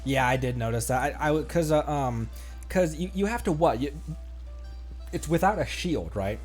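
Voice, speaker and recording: A man streaming a game, chatting casually in a rambling, halting way that often interrupts itself. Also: mid-range voice, expressive, a little mellow. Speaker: game livestreamer. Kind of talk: casual gaming chat. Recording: music playing behind the voice.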